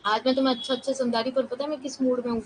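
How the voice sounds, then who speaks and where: A woman with a high voice teaches a live online class in a soft, unhurried way, checking in with her students and asking herself questions as she explains. She sounds tired from fasting. A faint hiss sits under the voice. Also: steady tone, rough recording. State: fasting, low energy.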